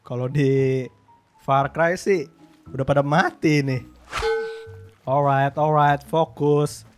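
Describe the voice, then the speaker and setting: Young Indonesian man, fairly high voice, casual game commentary, swears a lot. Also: slow pace, faint music behind. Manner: excitable, slangy, swears in English often. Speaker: gaming YouTuber.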